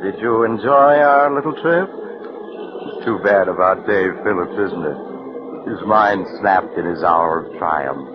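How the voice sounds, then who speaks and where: A very deep-voiced, wry male storyteller over music; muffled vintage radio. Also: takes it slowly. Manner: wry, insinuating. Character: sly, sardonic male storyteller traveling by train. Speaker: show host and narrator. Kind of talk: 1940s radio acting. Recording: dull 1940s radio broadcast with music.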